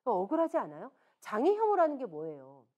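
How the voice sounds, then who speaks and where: Lively, high-voiced woman giving a talk. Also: brisk, dull audio. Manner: emphatic, asks the audience rhetorical questions; frank, conversational storytelling. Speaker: author and seminar speaker. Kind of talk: seminar lecture.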